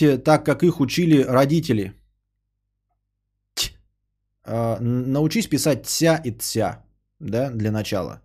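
A man's voice: medium pitch, darkish tone, husky. A man, a podcaster and streamer, ranting in a sarcastic, indignant tone and swearing freely as he answers a viewer.

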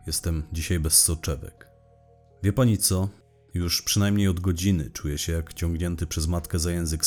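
A man's voice: deep voice, a little mellow, natural voice. A man playing a weary, irritable middle-aged divorced investigator confessing in formal, wordy sentences in an audio drama. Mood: irritated, weary. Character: weary, irritable divorced male investigator talking to his psychologist. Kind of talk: scripted audio drama monologue.

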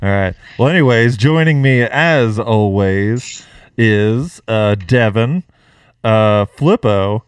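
A man's voice: lowish voice, slow, clear, resonant tone, no echo. A young man hosting a podcast in casual chat, laughing often and joking loosely. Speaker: podcast host.

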